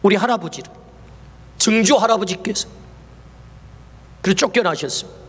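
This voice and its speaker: High-pitched pastor preaching, asks the people lots of questions, long church reverb. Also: male voice, moderate pace, breathy edge. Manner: preaching with rhetorical questions, swings between soft and raised passages. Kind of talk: sermon. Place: church sanctuary.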